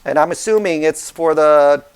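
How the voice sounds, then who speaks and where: A man's voice: fairly high pitch, moderate pace, clean tone. A man hosting a casual car repair vlog, chatty and often checking in with listeners by asking "okay?" and "right?". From United States, Southern California. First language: Vietnamese heritage speaker, fluent in English. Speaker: car repair channel host. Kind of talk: casual how-to vlog talk.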